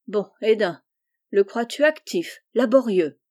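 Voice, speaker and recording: Jovial, kindly middle-aged gentleman , read by a woman, gently teasing, storybook audiobook; pitched a bit lower. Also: lively intonation, measured pace. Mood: amused, gentle. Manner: jovial, warm-hearted. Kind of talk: audiobook reading.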